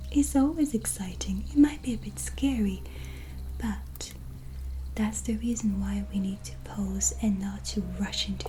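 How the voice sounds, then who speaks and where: A woman playing a gentle, reassuring white witch tarot reader in a breathy, soft-spoken ASMR whisper. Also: mid-range voice, slight background noise, close to an everyday voice. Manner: slow, pausing, soothing, reflective. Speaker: ASMR roleplayer giving a tarot reading. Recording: soft music behind close voice. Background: soft relaxing music.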